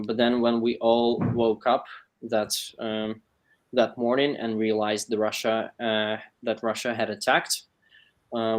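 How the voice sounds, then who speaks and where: A man with a Ukrainian accent and an average-pitched voice speaks as a panel guest. He tells a personal account in a conversational way. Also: a bit bright.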